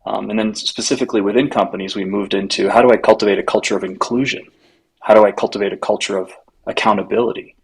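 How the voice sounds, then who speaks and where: Low, gravelly man answering thoughtfully. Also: fairly even intonation, fast talker. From United States, raised in Latin America. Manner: reflective, builds points with rhetorical questions. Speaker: guest, culture consultant. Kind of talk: conversational interview answers.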